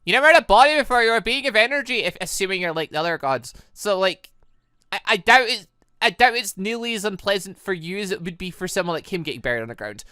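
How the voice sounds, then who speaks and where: A young adult gaming host giving excitable, exasperated let's play commentary while reading visual novel dialogue aloud. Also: mid-range voice, quick pace, clear, resonant tone, dry recording, studio quality. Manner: excitable, exasperated reactions between read lines.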